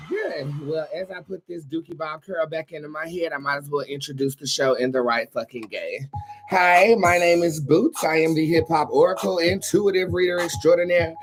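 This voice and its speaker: A man's voice: on the high side, moderate pace, soft background music. A man hosting a casual tarot livestream, chatting in a sassy, campy, profane way. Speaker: livestream host and tarot card reader.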